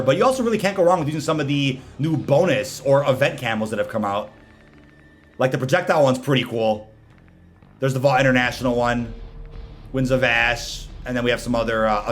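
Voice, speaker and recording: A man's voice: medium pitch, slight background noise. A man hosting a gaming video with casual, slangy gameplay commentary. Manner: slangy, informal.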